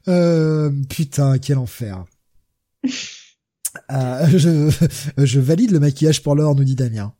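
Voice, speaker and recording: A man's voice: fairly high pitch, expressive, very slow, long pauses, mellow, no echo, studio quality. A man co-hosting a podcast, joking and rambling with many fillers. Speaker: podcast co-host. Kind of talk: casual chat.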